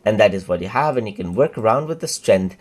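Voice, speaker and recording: A man walking viewers step by step through a software tutorial, casual and repetitive, with fillers. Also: on the low side, animated, quick pace. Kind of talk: screen-recorded tutorial narration.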